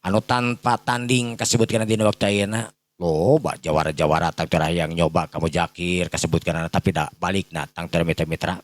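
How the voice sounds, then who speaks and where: Sundanese guy telling an old folk story, low voice, rambly, super dry close sound. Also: little pitch movement, a little fast, no echo. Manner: rambling, repetitive filler phrases. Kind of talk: improvised folk tale narration, addressing listeners.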